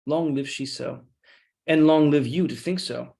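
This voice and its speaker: A man reading a scheming, deferential soldier in Shakespeare, with measured, insinuating, mock-humble delivery. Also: fairly high pitch, vocal fry, dark tone. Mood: falsely apologetic. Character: scheming deferential soldier feeding his lord's suspicion. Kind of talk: Shakespeare read-along.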